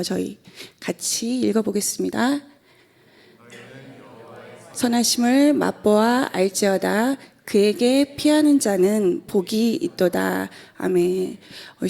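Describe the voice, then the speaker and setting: A woman's voice: medium pitch, vocal fry, darkish tone. A woman in her forties, a pastor's wife, giving an earnest church testimony from the pulpit with many hesitant fillers. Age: 40s.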